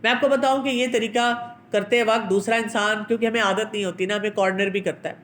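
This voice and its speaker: Woman, parenting advisor; calm, teacherly delivery, mid-pitched voice, mixes in English terms. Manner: calm, measured, teacherly with rhetorical questions. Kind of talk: advice talk on parental anger.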